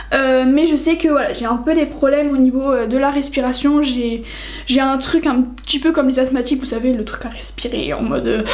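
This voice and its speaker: A woman with a high-pitched voice talks at a fairly quick pace with fairly even intonation. There is noticeable background noise and audible room echo. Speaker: YouTuber. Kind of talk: casual chat. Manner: fast; audible heavy breathing.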